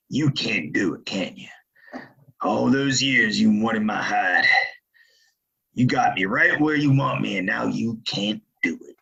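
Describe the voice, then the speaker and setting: An actor playing a cruel, dying outlaw in a Western audio play, taunting in a folksy drawl with a gravelly rasp. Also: male voice, lowish voice, animated, slow pace, long pauses, bright, forceful tone, muffled recording, exaggerated voice. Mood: cruel goading. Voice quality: raspy, gravelly. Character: dying sadistic male Old West outlaw, taunting and remorseless.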